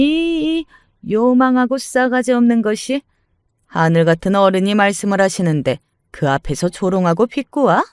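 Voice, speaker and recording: A man voicing a domineering, scornful older mother-in-law, scolding in a shrill, contemptuous way. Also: darkish tone, smooth, no echo, studio quality. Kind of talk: dramatized story reading.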